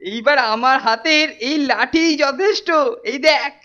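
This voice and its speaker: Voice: high voice, unhurried, highs cut off, very noisy. A performer voicing a boastful, teasing teenage senior schoolboy bully in a Bengali cartoon. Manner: taunting, boastful. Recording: music behind the voice.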